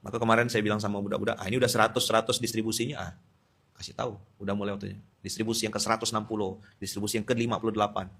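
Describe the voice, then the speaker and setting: Casting: male preacher with a Pontianak Malay accent, crisp and forceful tone, lively teasing sermon delivery, loud bursts then low asides. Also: rapid-fire. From Indonesia. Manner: lively, teasing, switches between loud outbursts and quiet asides. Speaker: Islamic preacher. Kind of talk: dawn study-circle sermon.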